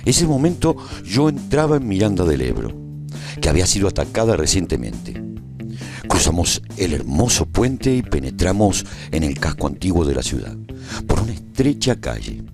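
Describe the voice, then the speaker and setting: A man playing a post-apocalyptic traveller who narrates a scripted radio drama in a measured, solemn way. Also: low voice, sing-song, vocal fry, over music, heavily acted. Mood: grave storytelling. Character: male post-apocalyptic traveller recounting a war story gravely.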